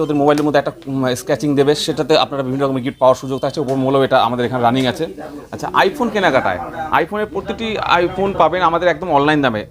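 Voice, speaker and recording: A man with a West Bengal Bengali accent giving an emphatic, repetitive promotional sales pitch as a showroom promoter. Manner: emphatic, repetitive listing of offers.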